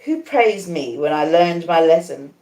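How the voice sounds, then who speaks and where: A woman voicing a proud, cool young lady in a storybook reading, calmly defiant, with measured and emphatic reasoning. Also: deep voice. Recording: echoey conservatory.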